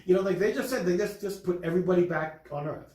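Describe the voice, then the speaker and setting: A man's voice: high-pitched, quick pace, a little mellow. A man chatting casually about a movie in slangy speech full of filler phrases. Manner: slangy, peppered with "you know". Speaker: podcast host. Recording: distant mic in echoey room.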